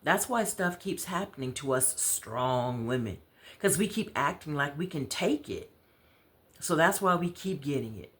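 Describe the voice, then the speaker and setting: A woman's voice: low voice, animated, unhurried, fairly bright tone. An American woman voicing an outspoken, caring woman friend in a story, with blunt, slangy, emphatic delivery. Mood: exasperated.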